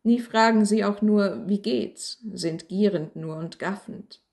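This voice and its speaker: A woman voicing a calm, wise old wooden cross that speaks in earnest rhymes. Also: mid-range voice, slow. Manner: calm, earnest rhyming speech.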